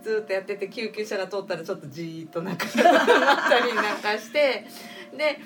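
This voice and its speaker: A woman's voice: mid-range voice, lively intonation, fast talker. Chatty woman over background music. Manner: chatty, laughs often, many fillers. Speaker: game event organizer and co-host. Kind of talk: casual chat on a live stream.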